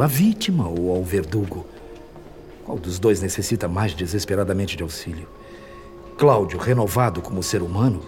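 A compassionate, pensive spiritual mentor in a radio drama. He speaks solemnly in a very deep voice, with prominent music underneath. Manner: pondering, solemn.

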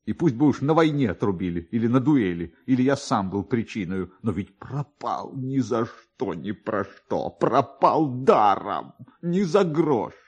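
A man voicing a proud, touchy, self-pitying official in a theatrical, drawn-out way, as in a dramatic literary reading. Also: medium pitch, sing-song, darkish tone, breathy edge. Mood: anguished, incredulous. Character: proud touchy male collegiate assessor, self-pitying and distraught.

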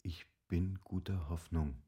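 An actor playing a brooding aristocratic husband, reading a letter aloud in a solemn, subdued radio drama style. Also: male voice, deep voice, fairly even intonation, a little slow, dark tone, breathy edge, lo-fi sound.

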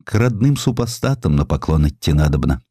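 A man's voice: very deep voice, very animated, fairly quick, mellow, breathy edge, no echo, clean studio sound, heavily acted. A man voicing a humble widowed mother who pleads in plaintive, folksy speech in an audiobook story. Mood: tearful resolve. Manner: plaintive, folksy dialect wording.

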